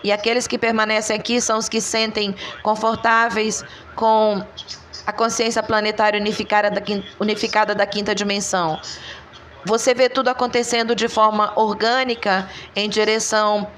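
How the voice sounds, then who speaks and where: A woman reading a dubbed interview voice-over in an even, measured way with slow pauses. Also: mid-range voice, slight background noise. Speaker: voice-over translator.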